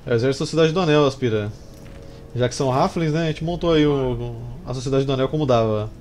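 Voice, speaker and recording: Brazilian man, mellow game commentary over noise. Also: mid-range voice, fast talker. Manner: informal, slangy. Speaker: gameplay streamer. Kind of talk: casual strategy game commentary. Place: small room indoors. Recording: clear background noise. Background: game sounds and ambience.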